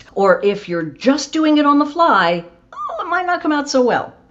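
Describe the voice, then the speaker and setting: The voice makes very wide pitch swings. Noticeable background noise runs underneath. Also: woman. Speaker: broadcast voice coach. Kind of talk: interview answer.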